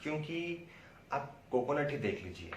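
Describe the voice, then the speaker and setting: A man's voice: on the high side, very animated, a little slow. A man with an Indian accent giving an instructional lecture, explaining things by asking questions and answering them himself. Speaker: acting instructor. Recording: roomy echo, distant mic, faint noise.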